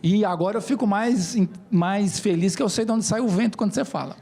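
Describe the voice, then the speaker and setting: São man, lively comic storyteller, high voice, slangy. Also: brisk. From São Paulo, Brazil. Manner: animated, joking, slangy. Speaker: speaker at an event. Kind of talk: comedic storytelling talk. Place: stage at a conference.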